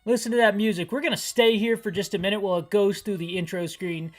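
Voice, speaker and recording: A gaming YouTuber in his thirties, his high voice fast and steady in tone, narrates a video game aloud for his audience with faint music behind him. His commentary is rambling, hyper and self-deprecating.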